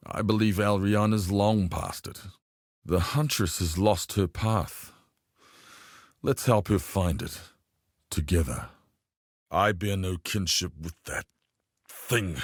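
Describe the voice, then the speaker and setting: Proud tribal warrior for a video game, lowish voice, solemn n formal, super dry close sound. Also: male voice, no room sound. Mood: grave, resolute. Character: proud, honor-bound male tribal Karui warrior. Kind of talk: video game character acting.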